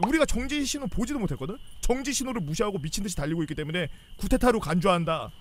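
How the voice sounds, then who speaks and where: Animated man telling a rowdy story. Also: high-pitched. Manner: animated, swearing, acts out yelling officers. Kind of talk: casual anecdote telling.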